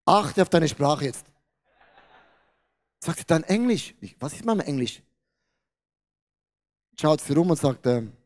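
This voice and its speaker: Holding a mic on a big church stage, a pastor from Switzerland takes his time, pausing often as he dramatizes a story in his sermon. His fairly high male voice turns loud and then abruptly quiet in animated storytelling.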